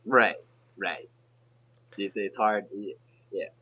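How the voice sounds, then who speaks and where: A teenage man hosting a casual podcast chat, rambling with halting restarts. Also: fairly low pitch, fairly even intonation, husky, dull audio. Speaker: podcast host.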